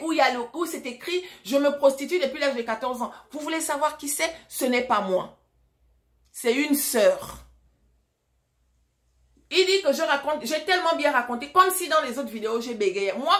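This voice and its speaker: A woman's voice: on the high side, a bit bright. A woman from Africa talking casually to her viewers in a direct, emphatic way, often asking them rhetorical questions. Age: adult, married mother. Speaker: vlogger and storyteller. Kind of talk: casual vlog monologue.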